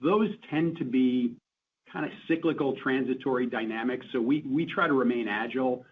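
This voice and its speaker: A man's voice: mid-range voice, normal speed. A man speaking as a chief executive, giving assured explanations on an earnings call. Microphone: conference call line. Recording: dull conference call line, faint noise.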